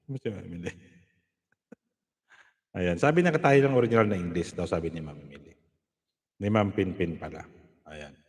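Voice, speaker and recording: A man hosts a casual live stream, chatting with viewers and laughing easily. His pitch rises and falls a lot as he talks. The sound has a long, hall-like reverb. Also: animated, moderate pace, pauses often. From Philippines. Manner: chatty, reads out viewer comments and shout-outs, laughs often.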